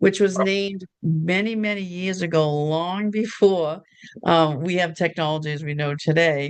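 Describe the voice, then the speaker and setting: With a strong Boston accent, a woman speaks with ordinary pitch variation. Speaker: assistive technology consultant, workshop presenter. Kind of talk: online workshop presentation.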